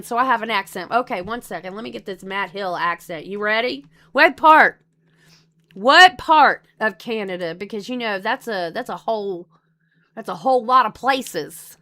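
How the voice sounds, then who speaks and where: A woman's voice: on the high side, moderate pace, pushed and bright. A woman with a Texan drawl hosting a livestream, chatting casually and rambling with lots of swearing. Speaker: streamer host.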